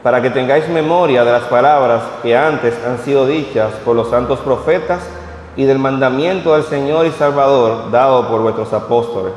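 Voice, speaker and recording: A man's voice: medium pitch, moderate pace, slight background noise. Man preaching in an echoey church hall. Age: 30s. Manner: reads scripture steadily, then talks plainly with the congregation. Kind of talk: sermon with scripture reading. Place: church hall at a vigil service. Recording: echoey hall with long reverb.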